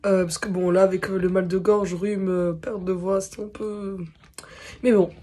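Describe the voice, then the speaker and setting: Slightly hoarse young woman vlogging. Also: medium pitch, level tone, normal speed, mellow. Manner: chatty, relieved, many fillers. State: voice still slightly hoarse, recovering. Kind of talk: casual vlog talk to camera.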